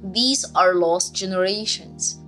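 A woman, a refugee teacher giving candid, heartfelt testimony in slightly halting English. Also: medium pitch, a bit bright, low-quality recording. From Sudan. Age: 30s. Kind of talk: personal testimony. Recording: music playing behind.

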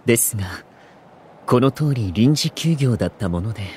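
A man playing a composed, courteous and earnest gentleman in a voice drama, with measured, slightly formal speech. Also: mid-range voice, animated, a little hiss or hum, lightly acted. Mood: troubled. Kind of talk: Japanese voice drama acting.

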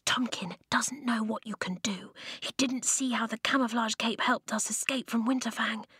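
A woman's voice: a little high, normal speed, slightly rough, no echo, clean studio sound, voice pushed up, heavily acted. A woman voicing a brave young girl in a storybook, urging friends on in an insistent whisper. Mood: urgent, encouraging. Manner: urgent, steady whisper.

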